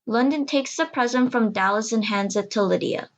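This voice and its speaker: A woman's voice: a little high, normal speed, highs cut off. A woman reading scripted narration for an audio drama.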